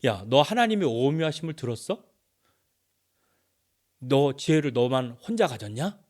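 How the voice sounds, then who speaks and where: A man's voice: mid-range voice, big pitch swings, unhurried, a little mellow. Eliphaz, a scornful boastful man, as a preacher puts him on. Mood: taunting. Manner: taunting, rhetorical challenges. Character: boastful, scornful male friend arguing with a sufferer.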